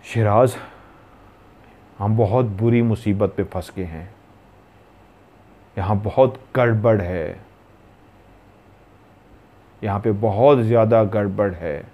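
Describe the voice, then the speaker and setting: A man's voice: lowish voice, takes it slowly, long pauses, dull audio. Man voicing a panicked young woman.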